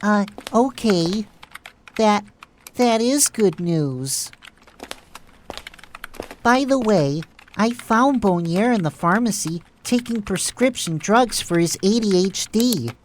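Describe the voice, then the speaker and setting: A woman's voice: mid-range voice, expressive, slow pace, a little hiss or hum. A woman playing an earnest, trusting, mildly exasperated nurse in an audio drama, with a polite, questioning way of talking. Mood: curious, hesitant.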